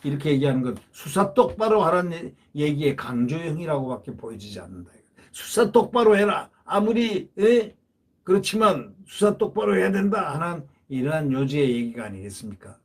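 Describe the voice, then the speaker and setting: Husky guy doing a political commentary channel, kinda high voice, hammers his points over and over. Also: sing-song, fairly quick, few pauses. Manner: emphatic, repeats phrases for stress.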